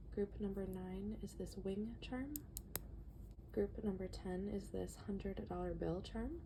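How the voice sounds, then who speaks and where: Creaky and mid-range, a woman's voice comes through a noisy background as she offers a casual, chatty tarot reading. She seems slightly out of breath and has a stuffy nose, staying relaxed while reading book passages aloud.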